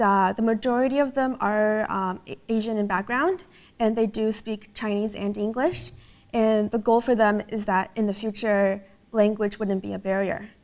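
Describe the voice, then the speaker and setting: A woman in her twenties, raised in Canada, earnestly explaining her business in a casual interview, with frequent fillers. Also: fairly high pitch. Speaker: startup co-founder, guest.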